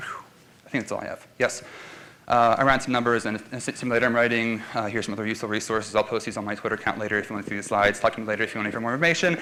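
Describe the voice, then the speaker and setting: Talking at a very fast pace, a man with an American accent has a bright, sharp tone. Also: medium pitch for a man, fairly even intonation. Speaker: data scientist presenting at a tech meetup. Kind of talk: conference talk.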